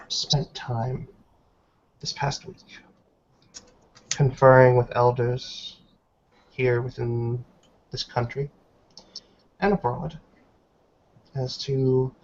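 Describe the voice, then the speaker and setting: A man playing a stern elderly tribal matriarch in a roleplay game, speaking formally in deliberate, halting phrases. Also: mid-range voice, a little mellow. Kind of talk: tabletop roleplay in character. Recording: dull online call with background noise.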